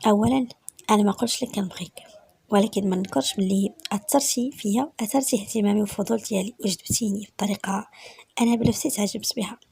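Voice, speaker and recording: A woman with a Moroccan accent voicing a confident, assertive man, in a soft, half-whispered delivery. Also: mid-range voice, steady tone, quick pace, gravelly, slightly rough, dry recording. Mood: persuasive.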